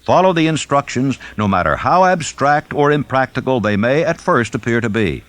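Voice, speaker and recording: A man reading a self-help audiobook in a measured, instructive and emphatic manner. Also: mid-range voice, expressive. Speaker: audiobook narrator.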